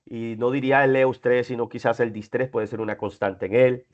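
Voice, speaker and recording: A man's voice: mid-range voice, fairly even intonation, moderate pace. A man giving a didactic lecture to teachers, listing traits one by one and checking in with his audience. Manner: explanatory, lists traits one by one, checks in with "right?". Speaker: lecturer at a faculty development talk. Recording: dull lo-fi recording.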